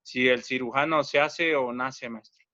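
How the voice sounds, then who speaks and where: A man's voice: medium pitch, fairly even intonation, a little slow, bright, forceful tone, dry recording. A man moderating a session, courteously relaying audience questions to the speaker. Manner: courteous, deferential. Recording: dry, muffled line.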